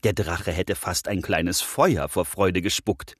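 A man narrating a children's fairy tale in an animated storytelling voice. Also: sits low, takes it slowly, noisy background. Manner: animated, voicing all characters.

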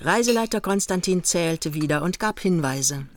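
An actress as the narrator of a literary radio play, telling the story in a measured, dry manner. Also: female voice, on the low side, lively intonation, close to an everyday voice. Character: composed female storyteller of a literary honeymoon tale. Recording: studio radio play under loud music.

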